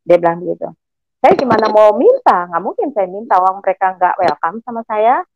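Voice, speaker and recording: Older woman in her sixties, a guest sharing her testimony. Gravelly, lively storyteller who plays out past dialogue. Dry, close recording. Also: mid-range voice, normal speed, dry recording. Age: 60s. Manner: animated, acts out the dialogue she recalls. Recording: dull lo-fi recording with faint music.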